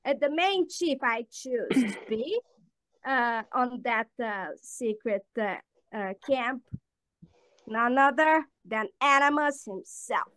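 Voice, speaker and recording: Bright-voiced Bulgarian woman in her twenties. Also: on the high side, expressive, no echo. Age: 20s. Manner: halting, many fillers, laughs. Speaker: panel guest. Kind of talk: casual chat.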